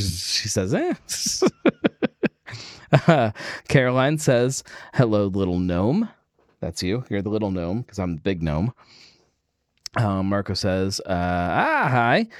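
A man's voice: lowish voice, no echo, clean studio sound. A man hosting a casual beer livestream, easygoing and rambling, with lots of fillers as he reads viewers' messages. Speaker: livestream host. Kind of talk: casual chat.

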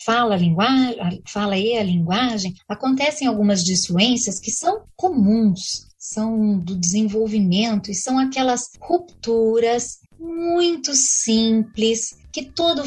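A woman's voice: a little high, darkish tone, breathy edge. A woman speaking as a guest speech therapist, explaining carefully in a didactic way and sometimes correcting herself. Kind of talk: explanatory panel discussion.

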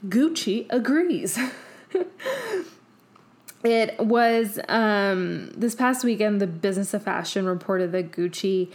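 A woman's voice: mid-range voice, expressive, takes it slowly, long pauses. Effusive woman podcast host, non-native English speaker. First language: not English. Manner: effusive, emphatic, tangential, peppered with "like". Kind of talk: casual opinionated solo podcast talk.

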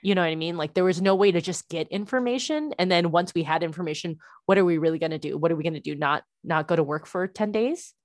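A young adult woman, a parent, telling a frustrating story in casual chat, animated and full of "like" fillers. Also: on the low side, fast, few pauses, no room sound, studio quality.

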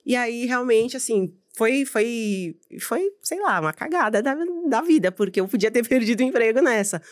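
A woman's voice: on the high side, expressive, moderate pace. A Brazilian woman, a podcast guest, telling personal stories in a candid, slangy way and laughing often. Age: adult, with a daughter who was 12 years ago. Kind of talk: casual storytelling conversation.

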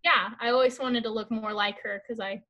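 A woman's voice: on the high side, fairly even intonation, a little fast, pushed and bright, dull audio. A woman talking casually in an interview, full of "like" fillers and restarts. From United States. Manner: chatty, many "like" fillers and restarts. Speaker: guest.

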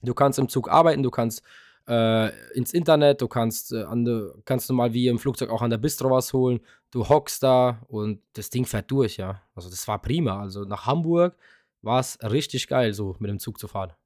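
A man's voice: mid-range voice, normal speed, a little mellow, no room sound, studio quality. A young man co-hosting a podcast, telling a long casual story with lots of fillers and offhand swearing. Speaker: podcast co-host. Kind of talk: casual chat.

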